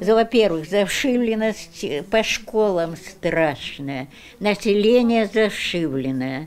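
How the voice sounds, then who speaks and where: A woman's lively intonation stands out as she goes at a very slow pace. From Azov, Rostov region, Russia. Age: 80s+. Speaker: retired doctor, war-era hospital volunteer. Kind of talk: interview answer. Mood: animated, emotional reminiscence. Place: home room.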